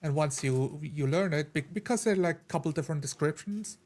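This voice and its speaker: A man's voice: fairly high pitch, fairly quick, darkish tone. A man who plays tabletop games, chatting casually about rules and often repeating words as he works out his point. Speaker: tabletop role-playing player.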